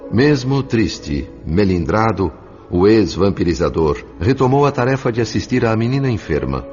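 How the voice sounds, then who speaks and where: A man's voice: lowish voice, sing-song, moderate pace, a little mellow. A Brazilian man giving a dramatic scripted narration for an audiobook radio drama. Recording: dull lo-fi audio with music.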